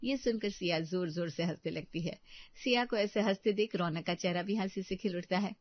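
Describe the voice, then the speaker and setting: A woman narrating a domestic audio story in a steady, plain storytelling manner. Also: fairly low pitch, moderate pace, no echo. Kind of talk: scripted narration. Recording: dull, dry sound.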